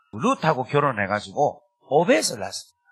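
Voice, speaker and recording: Speech in a strong Gyeongsang accent moves at a fairly slow pace. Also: man. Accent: thick Gyeongsang dialect. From Korea, Gyeongsang region. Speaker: pastor. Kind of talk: sermon. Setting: prayer retreat seminar.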